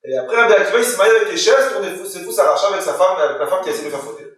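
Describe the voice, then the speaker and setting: A man's voice: high voice, very fast, fairly bright tone. A man, a rabbi, telling a story during a Torah lesson to listeners, voicing the people in it and putting questions to the room. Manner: retells the story with quoted dialogue and questions to listeners. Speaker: rabbi teaching a Torah class. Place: hall or study room with listeners. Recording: very echoey room, voice far from the mic.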